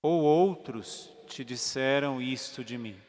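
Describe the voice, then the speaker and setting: A Brazilian man reading the words of Jesus in a calm, measured, solemn way during a liturgical Passion reading. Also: medium pitch, close to an everyday voice. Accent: Brazilian Portuguese. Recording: long church reverb.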